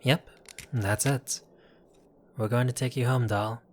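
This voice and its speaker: Male mob boss acted by a man for audio roleplay: unhurried, wry, courteous, a smooth-talking criminal charmer. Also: medium pitch, steady tone, a little hiss or hum, lightly acted. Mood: apologetic, reassuring. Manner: unhurried, flirtatious, wry, addressing listener as doll. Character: apologetic, charming mobster, exasperated yet courteous. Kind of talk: intimate audio roleplay acting.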